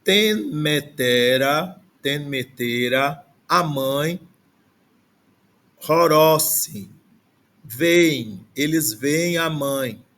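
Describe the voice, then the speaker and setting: A man's voice: a little high, animated, a bit bright. A man teaching an ancient Greek class, explaining pronunciation patiently and glossing words one by one, often checking in with "né?". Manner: slow, patient explaining with frequent "né?". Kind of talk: online language class.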